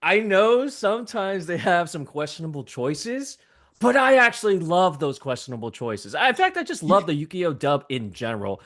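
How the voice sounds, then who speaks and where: A man's voice: high-pitched, very animated, moderate pace, fairly bright tone. A man in his thirties whose first language is Vietnamese, chatting casually as a podcast guest and gushing eagerly about cartoons. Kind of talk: casual chat.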